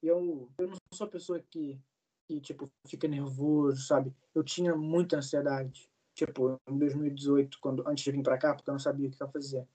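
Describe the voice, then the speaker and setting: A man's voice: medium pitch, steady tone, fairly quick, dark tone, slightly rough. A man in his early twenties telling stories in a casual interview, rambling with lots of fillers and swearing. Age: 20s. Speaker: guest, singer.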